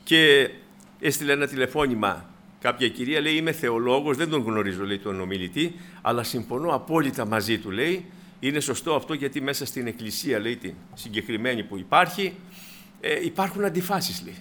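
A man preaching a sermon to his congregation, asking rhetorical questions and swinging between loud emphasis and hushed asides. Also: medium pitch, animated.

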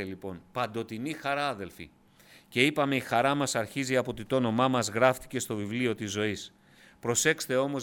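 A man preaching a sermon with fervent delivery, swinging from loud emphasis to hushed asides and often addressing the congregation as brothers. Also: medium pitch, clean tone. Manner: keeps addressing listeners as brothers.

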